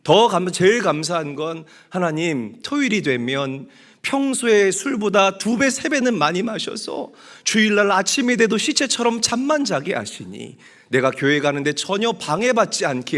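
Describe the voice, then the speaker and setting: A man's voice: fairly high pitch, fairly bright tone. A male pastor preaching a sermon, telling a story and acting out the prayers in it, and calling on the congregation to answer amen.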